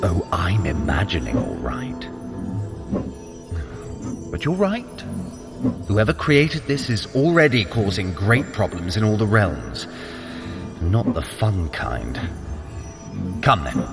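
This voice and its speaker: An actor playing a sly, scheming younger-brother god of mischief in an audio drama, theatrical and sardonic. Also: male voice, deep voice, sing-song, slow, pauses often, music in the background, heavily acted. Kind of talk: scripted audio drama acting for a fitness app.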